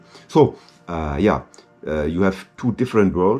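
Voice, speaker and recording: A man with a German accent speaks at a very deep, low pitch with vocal fry and a dark, mellow tone, his pitch swinging very widely. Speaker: former legionnaire and security contractor. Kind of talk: casual monologue. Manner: halting, many fillers.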